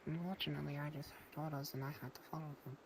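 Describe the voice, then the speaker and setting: Composed female dragon in human guise, played by a woman, evasive and measured, improvised fantasy roleplay, noticeable mic noise. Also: deep voice, fairly even intonation. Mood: unapologetic.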